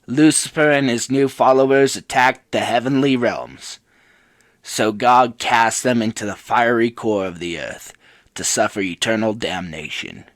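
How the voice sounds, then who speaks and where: Slow, solemn archangel narrator, voiced by a man. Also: on the low side, no room sound, heavily acted. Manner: grave, measured, storytelling. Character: Archangel Michael, solemn male angel telling creation's history. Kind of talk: scripted dramatic narration, myth prologue.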